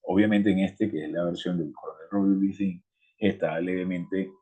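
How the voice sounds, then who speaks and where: A man with a deep, slightly husky voice teaches a Bible study, reading scripture aloud and explaining it with emphasis. The recording is dull and lo-fi. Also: steady tone, moderate pace, dark tone.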